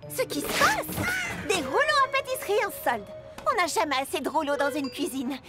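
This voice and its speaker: An exuberant young girl baker from a children's cartoon. The voice is extremely high and swings widely in pitch, cheerful and evasive, with music playing behind it. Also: brisk. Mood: feigned cheer. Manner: exuberant, expressive. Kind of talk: animated children's cartoon dubbing.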